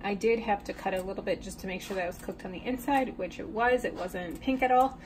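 A woman's voice: medium pitch, quick pace, darkish tone. Chatty young woman vlogging meal prep. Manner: chatty, talks baby-talk to her cats. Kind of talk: casual meal prep vlog narration. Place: home kitchen, indoors. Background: faint household appliance hum.

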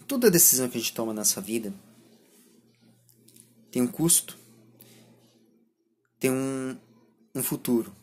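Brazilian male vlogger, 20s, husky mid-pitched voice, reflective and halting. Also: lively intonation, darkish tone. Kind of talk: reflective monologue to camera. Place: small indoor room lined with bookshelves. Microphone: phone or camera at arm's length.

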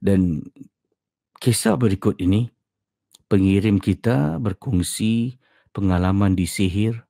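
A man's voice: fairly low pitch, takes it slowly, gravelly, warm tone, no echo, clean studio sound. A Malaysian man hosting a casual livestream, speaking with a slight slurred lisp from a sore, ulcerated tongue. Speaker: podcast and livestream host. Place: at home.

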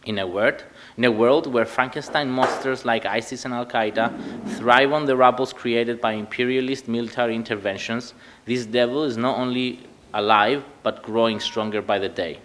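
A man's voice: medium pitch, fairly even intonation, moderate pace, fairly bright tone, a little hiss or hum. Earnest Cypriot man giving a speech. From Cyprus. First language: Greek. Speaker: party speaker. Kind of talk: prepared political speech. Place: commemoration event.

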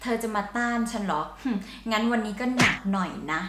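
A woman's voice: on the high side, fairly quick, roomy sound, heavy background noise. A woman hosting a channel, explaining song lyrics and slang in a chatty, playful way. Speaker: song translator, channel host. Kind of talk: casual explaining lesson.

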